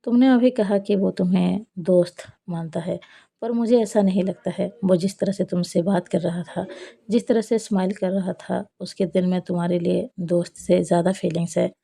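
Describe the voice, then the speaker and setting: A woman's voice: lowish voice, fairly even intonation, moderate pace, vocal fry, mellow, breathy edge. A woman voicing a jealous, sulking young woman in a storybook. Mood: sulky. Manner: sulky, pleading. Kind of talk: storybook narration.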